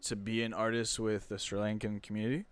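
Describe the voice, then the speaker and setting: A man's voice: lowish voice, flat delivery, fast, clear, resonant tone. A young man hosting a podcast, asking easygoing questions with many fillers and restarts. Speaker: podcast host. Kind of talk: casual interview questions.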